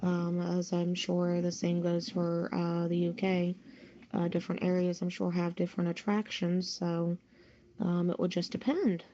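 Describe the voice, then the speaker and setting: Hesitant American woman, dark muffled voice. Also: on the low side, level tone, measured pace. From United States. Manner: hesitant, noncommittal. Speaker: podcast panelist. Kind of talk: casual chat. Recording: dull lo-fi voice call, background noise.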